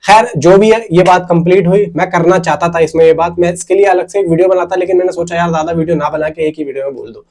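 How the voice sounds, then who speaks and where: A man's voice: high voice, steady tone, fast talker, few pauses, darkish tone. A man giving casual, unscripted film-news commentary to viewers, conversational and emphatic, often repeating and rephrasing his points.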